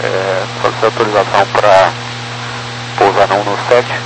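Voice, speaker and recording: A man's voice: fairly low pitch, flat delivery, moderate pace. A man with a Brazilian accent, a pilot speaking over a cockpit headset radio in terse, clipped radio phraseology. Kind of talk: air traffic radio exchange. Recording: noisy aviation radio transmission.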